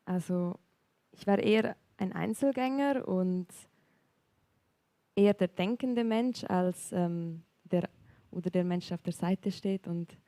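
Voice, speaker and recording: A woman's voice: fairly low pitch, dry recording. A young woman from Graubünden with a Swiss accent, speaking hesitantly and reflectively as a guest telling her life story on a church stage. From Graubünden, Switzerland. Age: young adult. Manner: soft, hesitant, reflective, with frequent pauses and fillers. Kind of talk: personal testimony interview in a church service.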